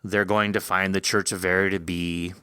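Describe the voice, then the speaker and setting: A man hosting a casual interview, talking informally and thinking aloud in an animated way. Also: low voice, a little fast, smooth, no echo. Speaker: podcast host interviewing an author.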